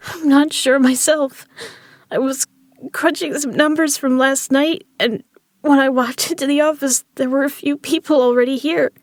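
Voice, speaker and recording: High-voiced, strained woman in distress acted. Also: steady tone, moderate pace, dry recording, studio quality, close to an everyday voice. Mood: shaken, relieved. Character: tough battered woman poker player, desperate, swearing. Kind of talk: audio drama acting.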